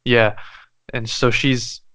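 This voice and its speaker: A young man from Canada whose first language is French, a musician guest speaking thoughtfully with many pauses and fillers. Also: mid-range voice, flat delivery, bright, forceful tone, dry recording. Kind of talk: casual interview chat.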